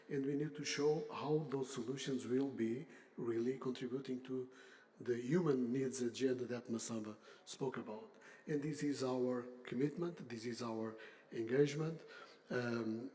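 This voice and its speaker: An older man, a chief executive, giving a semi-formal unscripted conference speech with halting, deliberate phrasing. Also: mid-range voice, darkish tone. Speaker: industry association CEO, panel speaker.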